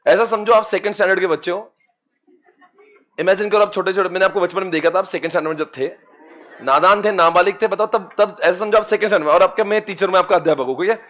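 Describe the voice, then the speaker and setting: A man's voice: high-pitched, fast. A man lecturing a class of commerce students, chanting memory tricks and coaxing them to repeat after him. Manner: lively, chants mnemonics and coaxes students to repeat; addresses students as beta and friends, teasing.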